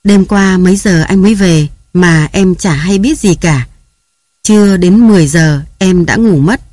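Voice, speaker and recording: A reader voicing a harried young mother who scolds her children in a raised, hurried voice. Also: on the low side, a little mellow, no room sound, studio quality. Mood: chatty, coaxing. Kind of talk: audiobook character voice.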